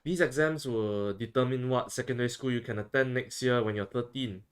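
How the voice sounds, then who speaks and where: A man's voice: mid-range voice, fairly quick, smooth. A young man from Singapore with a Singaporean English accent, chatting casually and self-mockingly on a livestream. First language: Chinese. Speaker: VTuber streamer.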